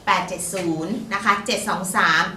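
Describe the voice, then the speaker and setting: Speaking at medium pitch in a steady yet sharp tone, a woman co-host moves a little fast through polite, chatty lottery advice on a fortune-telling show, using plenty of particles. The mic sits far off in a roomy space, with faint noise.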